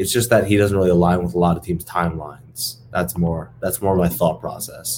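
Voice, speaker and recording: A man's very deep, low voice with vocal fry and an American accent, at a fairly quick pace with hardly any pauses and ordinary pitch variation. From US Northeast (New York). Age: 20s. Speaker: college student and podcast co-host. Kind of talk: casual chat. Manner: halting.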